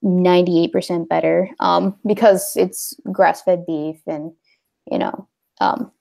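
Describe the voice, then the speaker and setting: A woman's voice: on the low side, fairly even intonation, takes it slowly, vocal fry, darkish tone. A young woman hosting a casual livestream, talking in a rambling, hesitant way with many fillers. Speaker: livestream host.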